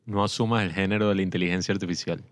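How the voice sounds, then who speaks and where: Male co-host: low, dry voice, loose rambling film banter. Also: fairly even intonation, racing, dry recording. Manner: rambling, joking, laughs often. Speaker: podcast co-host. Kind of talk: casual film review chat.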